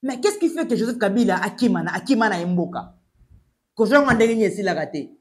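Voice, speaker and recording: Young Congolese male commentator, high voice, urgent and emphatic, seated in a small room facing the camera. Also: lively intonation, a little fast. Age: young adult. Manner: emphatic, urgent, gesturing while addressing the camera. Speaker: news commentator. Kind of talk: mixed French and Lingala commentary. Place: small plain room indoors.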